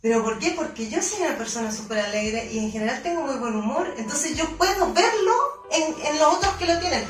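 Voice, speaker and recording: A woman coach and emotional therapist giving a conference lecture, animated, often stumbling and repeating words as she explains. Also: high-pitched, fairly quick, few pauses, soft background music. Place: conference hall. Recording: roomy echo, mic from far off.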